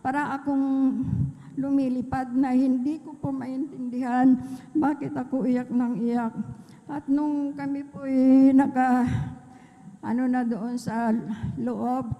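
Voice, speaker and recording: Middle-aged woman from the Philippines, church testimony; earnest storyteller who quotes others and adds praise, dark mellow tone, big hall reverb. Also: high voice. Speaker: church member giving testimony. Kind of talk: personal religious testimony.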